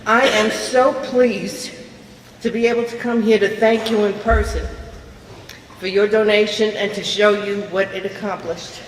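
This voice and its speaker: A woman's voice: medium pitch, fairly bright tone. An older woman with a Brooklyn accent giving a prepared speech to a club meeting. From Brooklyn, New York. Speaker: guest speaker, club officer. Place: large echoey meeting room, live audience. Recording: distant mic, echoey hall, noisy room.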